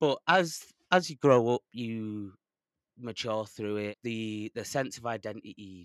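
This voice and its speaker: A man speaks at a very slow pace with a Yorkshire accent. The sound is dry and close, with no echo. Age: 20s. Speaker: adoptee sharing his story. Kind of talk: casual interview chat. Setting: video call.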